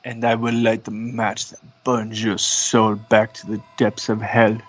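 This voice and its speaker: A man's voice: fairly low pitch, monotone, a little slow, highs cut off. A man playing a tabletop roleplaying game, moving between table talk and in-character speech.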